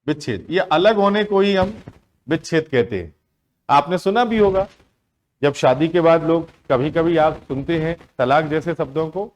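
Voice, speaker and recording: A man teaching an exam-prep grammar lesson, often asking his students a question and answering it himself. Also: on the high side. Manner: asks the class questions and answers them himself, drawn-out words.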